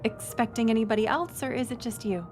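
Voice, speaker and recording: A woman's voice: fairly high pitch, quick pace, over music, close to an everyday voice. A woman playing a friendly, chatty young docent at a historic house in an audio roleplay, casual and upbeat as she talks to the listener. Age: young adult. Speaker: museum tour guide. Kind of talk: audio roleplay, one-sided conversation with listener.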